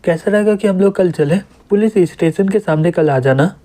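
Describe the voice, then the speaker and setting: A bossy, blunt young policewoman from a manga story, read by a man narrator. She makes demands in a mellow voice that is fairly high. The voice stays plain. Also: normal speed, close to an everyday voice.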